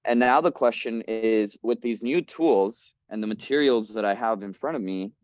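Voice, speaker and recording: A man's voice: fairly low pitch, normal speed, a little mellow, no echo. Upbeat young man from Colombia on a dull, dry call. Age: 20s. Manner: upbeat, loose, with many fillers and restarts. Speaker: guest speaker, startup founder. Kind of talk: casual presentation on a community video call. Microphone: video call.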